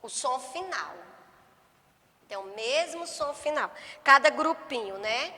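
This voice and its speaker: A woman's voice: high-pitched, animated, pushed and bright. A woman teaching a first-grade class, stretching out syllables and checking in with the children often. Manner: slow, drawn-out syllables, frequent "né?" and "certo?" checks. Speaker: primary school teacher. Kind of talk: remote class lesson. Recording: long hall reverb.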